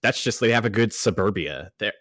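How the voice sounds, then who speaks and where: A man co-hosting a casual movie podcast, chatty and relaxed, laughing easily as he shares film facts. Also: lowish voice, a little fast, no room sound, clean studio sound. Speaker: podcast co-host.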